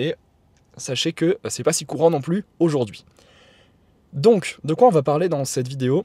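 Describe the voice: A man puts on a character voice, hoarse and fairly high-pitched, with lively intonation. He moves at a moderate pace with long, frequent pauses, the sound dry and close with no echo.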